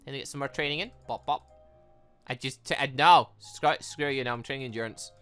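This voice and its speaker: A gaming video host giving casual let's play commentary, chatty, rambling and excitable, thinking aloud as they go. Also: mid-range voice, fairly quick, faint music behind.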